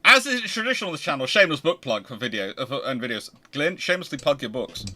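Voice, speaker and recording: A man's voice: mid-range voice, very animated, fast talker, bright, forceful tone. A man hosting a casual history livestream, talking in an effusive, rambling way. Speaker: host of a naval history livestream.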